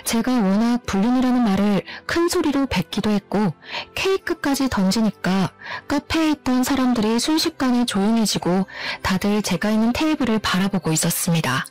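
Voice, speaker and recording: A woman's voice: a little high, lively intonation, normal speed, hardly any pauses, faint music behind, rough recording. A woman narrating a first-person story in scripted style, indignant and sarcastic.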